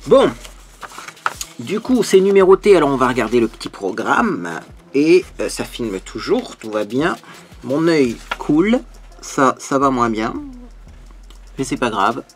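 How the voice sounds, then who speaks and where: A man's voice: mid-range voice, big pitch swings, unhurried, pauses often. A man, a beauty youtuber, chatting casually and animatedly while unboxing a parcel, full of fillers.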